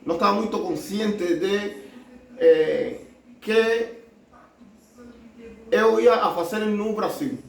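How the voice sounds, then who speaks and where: A man with a Cuban Spanish accent telling his story as a doctor, halting often and mixing Spanish with Portuguese. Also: sits high, gravelly. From Cuba. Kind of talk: casual storytelling. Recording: echoey room, mic at a distance.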